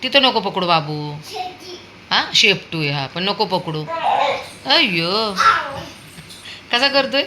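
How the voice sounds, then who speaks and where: A woman's voice: mid-range voice, expressive, takes it slowly, long pauses. A woman chatting at home, fondly scolding a small child and coaxing a pet dog. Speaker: dog owner filming at home. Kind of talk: casual home video chat. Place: home indoors with a fan. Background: fan noise and a dog.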